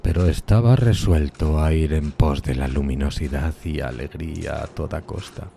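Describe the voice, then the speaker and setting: A man's voice: rumbling low, normal speed, creaky, background noise. A man playing a solitary, tormented outcast, narrating a gothic horror audio drama in a solemn, theatrical, literary manner. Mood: brooding.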